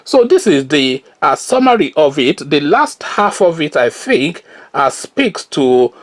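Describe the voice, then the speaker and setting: A Nigerian man with a Yoruba accent delivers a scornful solo commentary. His voice sits a little high and swings widely in pitch. He argues point by point and leans on frequent filler pauses. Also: sing-song. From Nigeria, Oyo.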